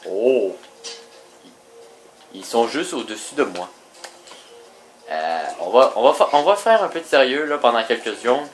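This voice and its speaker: A man's voice: medium pitch, measured pace, pauses often, slight background noise, low-quality recording. A man with a Québécois accent giving casual, joking commentary over his gameplay. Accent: Québécois French. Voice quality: lively, joking, mock sportscaster asides. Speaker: gaming video host. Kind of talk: casual let's play commentary.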